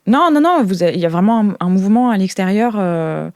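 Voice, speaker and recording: A woman playing a flustered insider guide in an improvised audio role-play, explaining things in a halting, hesitant way. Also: mid-range voice, animated, darkish tone, no room sound, studio quality, lightly acted. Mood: earnest. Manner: hesitant, halting, searching for words.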